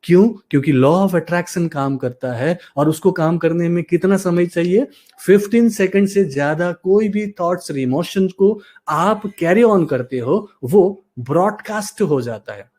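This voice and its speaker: A man's voice: high voice, a little slow, a little mellow. A man giving a live motivational coaching session, acting out example feelings and mixing in English phrases.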